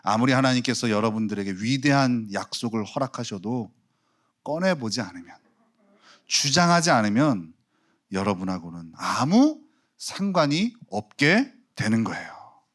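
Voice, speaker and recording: A man preaching a Sunday sermon as pastor, animated, swinging from soft asides to loud emphasis. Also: mid-range voice, a little slow. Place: church sanctuary.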